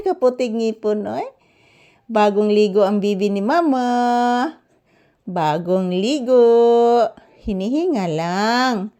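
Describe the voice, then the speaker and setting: Woman, slightly high voice, casual pet vlog, doting baby talk, sweaty from the heat, indoors at home. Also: darkish tone. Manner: mixes Filipino, Cebuano and English. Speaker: vlogger. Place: inside a hot house.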